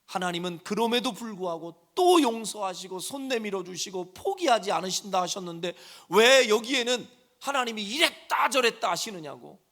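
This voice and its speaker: A middle-aged man preaches in a church sanctuary with a high, bright voice that leaps around in pitch. He dramatizes his points, switching into the voices of scolding parents and pleading children. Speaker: senior pastor. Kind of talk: sermon.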